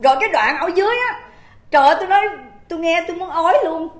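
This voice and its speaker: A livestream host with a Southern Vietnamese accent delivers an impassioned monologue in a very high-pitched, racing voice. Indignant and emphatic, she fires rhetorical questions at her viewers, recorded in a roomy, echoing room.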